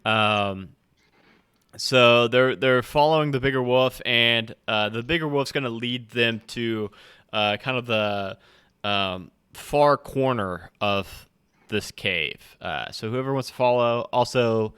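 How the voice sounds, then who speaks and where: Bright-voiced man as game master. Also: medium pitch, slow, smooth, dry recording, studio quality. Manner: hesitant, thinking aloud. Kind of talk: casual improvised tabletop game narration.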